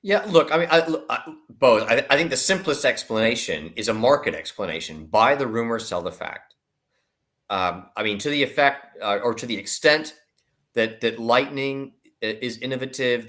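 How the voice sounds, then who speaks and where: Guy doing market analysis, average pitch, emphatic and deliberate, repeats himself while building a point. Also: fairly bright tone. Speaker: investment analyst, guest commentator. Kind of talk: conversational financial commentary.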